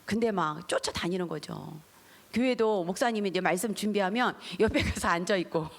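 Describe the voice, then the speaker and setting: A middle-aged woman, a pastor's wife, giving a lively testimony sermon at a church service and acting out the voices in her stories. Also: mid-range voice, brisk, noisy background. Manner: animated storytelling, acting out quoted voices. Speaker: pastor's wife, guest speaker.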